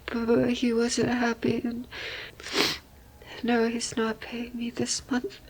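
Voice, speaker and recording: A woman's voice: on the high side, flat delivery, measured pace, darkish tone, breathy edge, rough recording. A woman voicing a timid, deferential young servant who speaks hesitantly and very politely. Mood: tearful.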